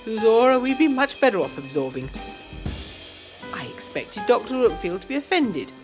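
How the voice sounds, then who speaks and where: A woman playing a genteel, lively 1920s Englishwoman with an English accent, reading her letters aloud in a prim, articulate way for an audio drama. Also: a little high, moderate pace, over music. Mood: chatty, delighted. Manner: prim, articulate, period turns of phrase.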